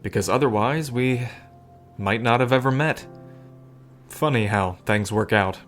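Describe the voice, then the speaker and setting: A man's voice: medium pitch, a little slow, a bit bright, faint music behind, lightly acted. A man playing a devoted, playful ally in a romantic audio drama, with an affectionate, casual and teasing manner. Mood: tender, earnest. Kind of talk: scripted romantic audio roleplay spoken to the listener.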